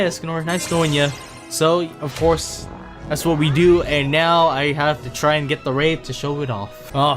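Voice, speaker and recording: A man casually commenting on his own mobile game play, rambling and self-mocking with frequent laughs. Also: mid-range voice. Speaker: gaming YouTuber. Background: faint game music.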